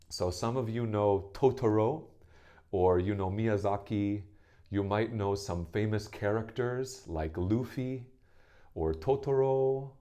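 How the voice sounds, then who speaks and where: A man's voice: fairly low pitch, dark tone. An American man in his thirties, an English teacher introducing himself to his students in an easygoing way, often checking in with "right?". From USA. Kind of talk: friendly self-introduction lesson to camera.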